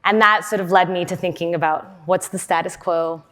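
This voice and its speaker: A woman in her forties, raised in Western Canada, giving a conference keynote in a chatty way with fillers and laughs. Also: brisk. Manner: chatty, with fillers and laughs, lively pitch swings. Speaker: conference speaker. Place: large conference hall.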